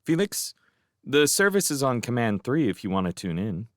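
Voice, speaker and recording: A man's voice: sing-song, normal speed, no echo, studio quality, lightly acted. A man voicing a female soldier who giggles and chats, then cries out in terror as the ground shakes. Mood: chatty. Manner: giggly, then shrill panicked screaming. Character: female soldier Showen (Canada), chatty then terrified.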